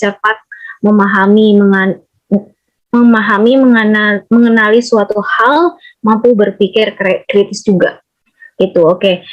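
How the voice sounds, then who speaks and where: A woman presenting a training lecture from slides, explaining steadily and often pausing on hesitations. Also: a little high, muffled recording.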